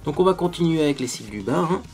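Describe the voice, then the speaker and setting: A man's voice: a little high, animated, quick pace, a little mellow, faint music behind. A man talking casually through a makeup tutorial to viewers, chatty and self-mocking, tagging his sentences with little asides. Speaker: beauty vlogger.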